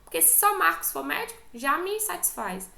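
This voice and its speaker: A Brazilian woman teacher with a Brazilian Portuguese accent runs an online lecture in a high, gravelly voice that is very animated and sharp at a moderate pace. She explains patiently step by step and keeps checking that students follow, with a roomy echo around the sound.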